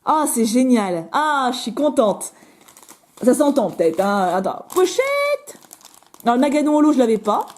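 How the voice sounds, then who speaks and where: A woman with a French accent chatting casually while opening trading card packs, bubbly and self-mocking with quick asides. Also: a little high, lively intonation, a little mellow. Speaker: card-opening video host.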